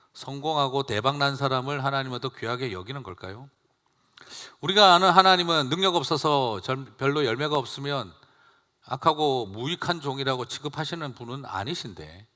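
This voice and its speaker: Male pastor, bright tone, conversational sermon with rhetorical questions, church reverb. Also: mid-range voice. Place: church sanctuary.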